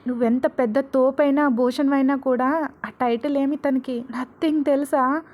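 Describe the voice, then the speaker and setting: A woman reads an earnest, reassuring young man urging his friend on. Her voice lifts a little higher and louder than her narration, warm and mellow. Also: fairly even intonation, moderate pace, natural voice. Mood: encouraging. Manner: earnest, encouraging.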